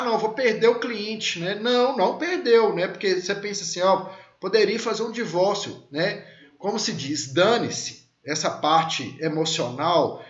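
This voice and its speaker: Man in his thirties lecturing on law, high lively voice, chatty with lots of fillers; echoey, dull lo-fi room sound. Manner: chatty, many fillers, asks listeners questions. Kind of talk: teaching through personal stories.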